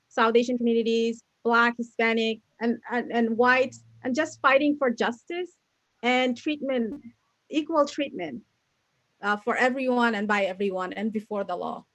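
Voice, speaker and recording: A Bangladeshi woman, an attorney and council candidate, answers interview questions earnestly over a video call, listing names and groups one after another. Her voice is on the high side with a fairly bright tone, and the sound is lo-fi.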